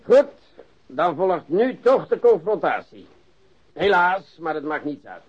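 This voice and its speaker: An actor playing an impatient, sardonic and bullying police investigator in a radio drama, scolding with theatrical weariness. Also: male voice, high voice, big pitch swings, a little slow, husky, full character voice. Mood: brisk, sardonic. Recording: dull, muffled radio drama recording.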